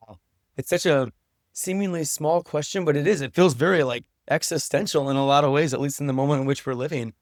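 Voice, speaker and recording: A man with a slightly high-pitched voice talks as an interview guest. He is earnest and reflective, thinking his way through answers. The sound is close and dry, with no room echo. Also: a little fast. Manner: earnest, thoughtful. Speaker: podcast guest, writer and teacher.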